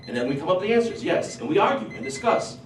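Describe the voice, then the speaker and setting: A man who grew up in Portugal and whose first language is Portuguese, a high school teacher testifying at a public hearing in an earnest, animated way. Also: fast. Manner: earnest, animated when quoting himself and students. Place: large hall at a public hearing. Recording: roomy hall, voice from a distance, faint noise.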